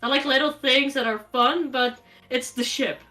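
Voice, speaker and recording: A woman with a high, bright voice chats casually over an online call, rambling along. She drops one thought and starts another mid-sentence, the way players talk between turns of a tabletop game. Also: steady tone, moderate pace, soft background music. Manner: rambling, breaks off and restarts her thoughts. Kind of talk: casual out-of-game chat on a stream.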